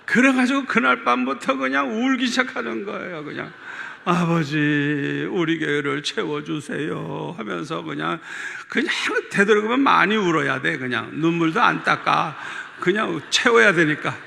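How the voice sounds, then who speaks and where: Man, pastor, sermon, bright edgy tone, repeats phrases, calls out to the congregation, long church reverb. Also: high voice, moderate pace, gravelly, few pauses, slight background noise. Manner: emotional storytelling with many repetitions. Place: large church sanctuary.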